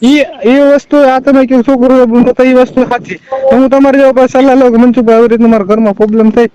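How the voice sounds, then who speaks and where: A man's voice: extremely high pitch, flat delivery, quick pace, mellow. A middle-aged man with a rural Saurashtra Gujarati accent on a recorded phone call, arguing defensively and insistently and repeating himself. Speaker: phone caller. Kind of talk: heated personal phone conversation.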